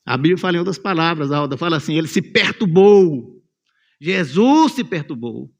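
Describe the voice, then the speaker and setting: A man's voice: a little high, expressive, moderate pace, lo-fi sound. A man with a Brazilian Portuguese accent preaching a sermon in a church, telling the story vividly and calling on listeners by name. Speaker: pastor.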